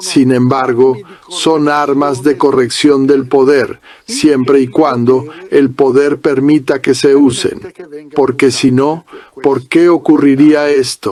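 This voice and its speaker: A fairly high-pitched man speaks at a very slow pace, his loudness very even and his intonation fairly even. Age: 70s. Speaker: essayist and author. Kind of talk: interview answers. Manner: formal.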